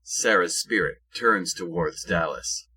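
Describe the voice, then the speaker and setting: A man with a husky voice reading scripted narration for an audio drama. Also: low voice, a little slow, bright, forceful tone.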